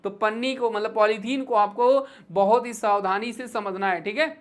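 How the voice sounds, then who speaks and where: Her mid-range voice keeps a fairly even intonation as this Indian-accented woman runs an online exam-prep lesson. Calling students "beta" and blending Hindi with English, she reads English poetry in a slow, rhythmic recital.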